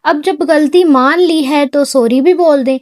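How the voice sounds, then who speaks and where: A woman voicing a stubborn, lively young woman who whines, cries and talks back cheekily. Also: high-pitched, dry recording, studio quality, lightly acted. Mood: cheeky. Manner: whiny, tearful, cheeky.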